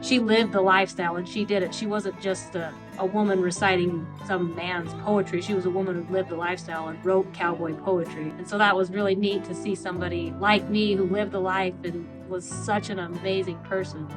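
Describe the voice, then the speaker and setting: Female American interviewee, lowish voice, casual reminiscing, plucked guitar behind. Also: steady tone, fairly quick, few pauses, low-quality recording. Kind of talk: casual personal recollection.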